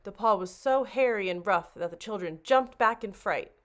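A woman reading a children's storybook aloud like a librarian, with expressive, dramatic narration. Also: mid-range voice, moderate pace.

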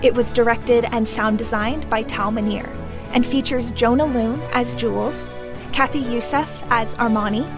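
Higher-voiced woman reading credits over music. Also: fairly even intonation, moderate pace. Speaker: credits announcer. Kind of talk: scripted credits read.

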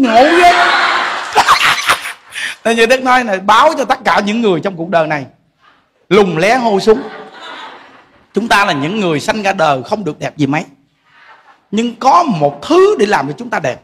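High-voiced jokey monk, Southern Vietnamese accent. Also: male voice, lively intonation, normal speed, pauses often, a bit bright, a little hiss or hum. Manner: jokey, laughing, addresses audience directly. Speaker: Buddhist monk teacher. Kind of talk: humorous dharma talk.

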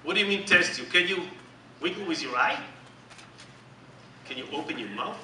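A middle-aged man with an Israeli accent giving an animated, joking keynote presentation on stage. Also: a little high, normal speed, far from the mic, slight background noise. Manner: animated, joking, emphatic and repetitive. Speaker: company executive presenting on stage. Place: large dark conference hall with audience. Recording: echoey hall recorded from the audience.

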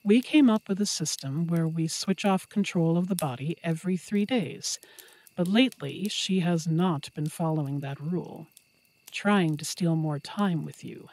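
A woman's voice: fairly low pitch, normal speed, a little mellow, poor audio. A woman playing a playful, possessive werewolf girlfriend in an intimate roleplay audio, talking to the listener in a teasing, affectionate way. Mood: confiding.

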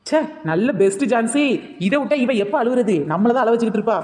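Fast, sassy woman with a Kanyakumari Tamil accent. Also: on the high side, darkish tone, long reverb tail. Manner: quick, sassy and mocking. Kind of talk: comic family skit.

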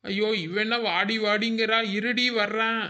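A man's voice: high-pitched, little pitch movement, moderate pace, pushed and bright. A man voicing a fretful, hungry village woman in a cartoon who keeps complaining. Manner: whiny, complaining, hunger-obsessed. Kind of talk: cartoon voice acting.

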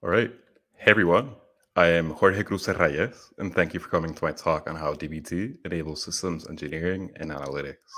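Very deep-voiced young man presenting a talk. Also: brisk. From Puerto Rico. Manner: earnest, steady explanatory delivery. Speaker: conference speaker. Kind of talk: prepared conference presentation. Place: small room at home. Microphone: headset.

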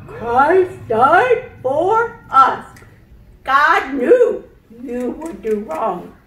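A woman's voice: sits high, fairly bright tone, exaggerated voice. A woman voicing an elderly puppet teacher who explains things patiently and earnestly, in an emphatic preacherly way, for a children's puppet show. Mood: earnest, encouraging. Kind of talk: children's puppet show, scripted Bible lesson. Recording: roomy echo, distant microphone.

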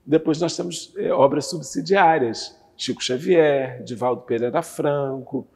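A man in his fifties, a guest on a TV interview, calmly explaining a religious doctrine with lively hand gestures, on a lapel mic in a curtained studio. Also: a little high, unhurried, creaky, slightly rough, long reverb tail. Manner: animated, gestures with both hands while talking. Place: TV studio with red curtain backdrop.

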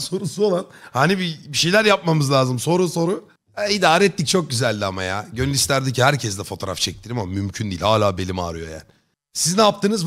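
A man streaming live and chatting casually with his viewers, joking and rambling in chummy slang. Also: on the high side. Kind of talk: casual chat.

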